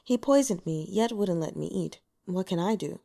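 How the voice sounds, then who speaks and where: A woman's voice: lowish voice, expressive, moderate pace, gravelly, mellow. Woman voicing a frail, cool-tempered abbot.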